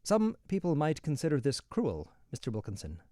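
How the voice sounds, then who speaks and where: A man playing a sardonic young swindler, cool dry delivery, lively tone, close dry sound. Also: fairly high pitch, moderate pace, no room sound. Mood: wry.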